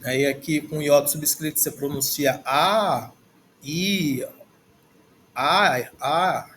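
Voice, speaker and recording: A man's voice: fairly high pitch, slow pace, fairly bright tone, a little hiss or hum. A man with a Brazilian Portuguese accent teaching a language lesson, reading through a textbook and saying words aloud several times as he works out how to say them. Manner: repeats words aloud, thinking as he reads. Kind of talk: slow, halting lesson, going through a textbook. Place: at a desk, screen recording.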